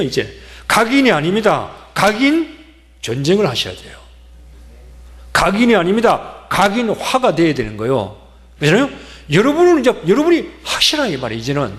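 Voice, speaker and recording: A male pastor preaching an emphatic sermon and leading his congregation in call-and-response chants. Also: high-pitched. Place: church sanctuary. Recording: church hall reverb.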